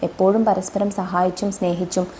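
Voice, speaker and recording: A woman's voice: fairly low pitch, little pitch movement, fairly quick, mellow, a little hiss or hum. A woman teacher reads exam questions and model answers aloud, talking to her pupils. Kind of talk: exam answer walkthrough for children.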